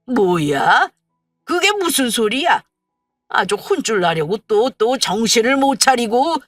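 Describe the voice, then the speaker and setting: A woman doing a gruff, hot-tempered older husband. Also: medium pitch, lively intonation, slow pace, fairly bright tone, no room sound. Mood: angry. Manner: barking, blunt short lines. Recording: dry, slightly distant, faint music.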